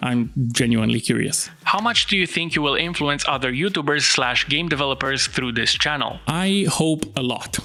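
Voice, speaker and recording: A man with a Romanian accent, hardly any pauses and very even loudness, amid noticeable background noise. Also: fairly high pitch for a man, ordinary pitch variation, moderate pace. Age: 30s. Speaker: game design YouTuber. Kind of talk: scripted Q&A narration.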